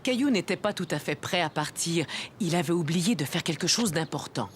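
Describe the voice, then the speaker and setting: A woman playing a gentle storyteller, narrating a children's cartoon in a scripted storybook style. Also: lowish voice, lively intonation, brisk, close to an everyday voice. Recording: music behind.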